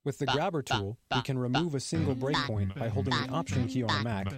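A man narrating an instructional software video, with music mixed over him. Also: mid-range voice, fairly quick, over a noisy crowd.

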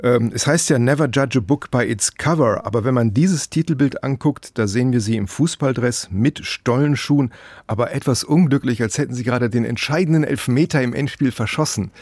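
A man's voice: mid-range voice, brisk, a little mellow, dry recording. A man hosting a radio interview, asking probing, articulate questions.

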